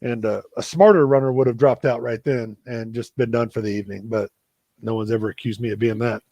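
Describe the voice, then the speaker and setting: Brief: male host, gravelly voice, dry close sound, easygoing storyteller on a video call. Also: mid-range voice, a little fast, no room sound. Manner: relaxed, self-deprecating storyteller. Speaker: running coach and show host. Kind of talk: casual storytelling in a live video chat.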